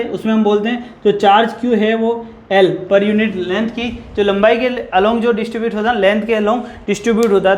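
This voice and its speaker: A man teaching a physics lesson. He keeps putting questions to the class, answers them himself, and says "guys" all the time. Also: sits high. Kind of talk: whiteboard lecture. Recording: echoey room.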